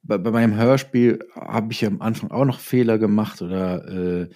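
Low, mellow-voiced man reflecting haltingly. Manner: halting, self-correcting, reflective storytelling. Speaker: interview guest, audio drama writer and author. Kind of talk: conversational interview.

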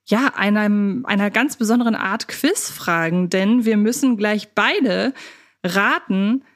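A woman's voice: mid-range voice, slow pace. A woman co-hosting a podcast in an informal, chatty style, bantering with her partner. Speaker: podcast co-host.

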